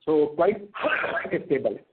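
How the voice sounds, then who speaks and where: A man with an Indian accent answering analyst questions as a finance executive on an earnings call, reciting figures haltingly over the phone. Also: fairly high pitch, sing-song, breathy edge. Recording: tinny narrowband conference phone line.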